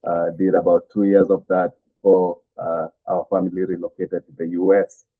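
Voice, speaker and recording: A middle-aged pastor with a Kenyan accent, telling his story as a guest in a halting way full of "uh" fillers. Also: sits low, little pitch movement, husky, no room sound. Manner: halting, many "uh" fillers, chuckles between thoughts. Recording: tinny phone-like call audio, dry.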